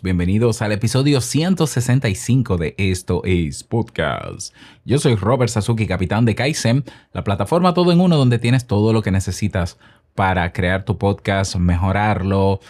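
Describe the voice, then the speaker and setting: Male podcast host from the Republic, slightly low voice, chatty solo monologue that pitches his own products. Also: a little mellow. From Dominican Republic. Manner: chatty and self-promoting, with rhetorical questions.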